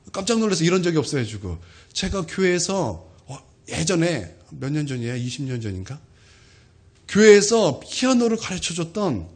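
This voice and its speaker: Emphatic high-voiced Korean preacher man. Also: slightly rough. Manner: emphatic preaching with rising calls to the congregation, storytelling asides. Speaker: pastor. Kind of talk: sermon. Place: church sanctuary.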